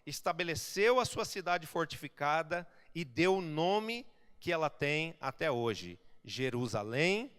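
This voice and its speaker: A man preaching a sermon as a pastor, emphatic and building to loud exhortations. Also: medium pitch, smooth. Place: church. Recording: reverberant church hall.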